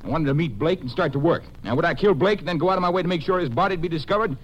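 An actor playing a folksy, defensive Texas rancher in a 1950s western radio drama. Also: male voice, fairly high pitch, rapid-fire, highs cut off, natural voice. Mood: indignant. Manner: folksy, hesitant explaining that turns indignant. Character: touchy, defensive Texas rancher, adult man. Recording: noisy old-time radio recording.

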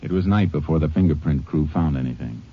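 An actor playing a steady, determined Texas Ranger who talks and narrates tersely in a 1950s radio western. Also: male voice, very deep voice. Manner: terse, measured, calm. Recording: dull old radio broadcast recording.

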